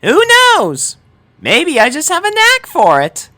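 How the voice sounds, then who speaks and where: Here is an airy, innocent schoolgirl as a male reader acts her out, pitched extremely high above his own voice. She chirps along brightly and without a care, in the style of a cartoon story. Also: huge pitch swings, slow pace, heavily acted. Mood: carefree. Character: bubbly, carefree former siren schoolgirl.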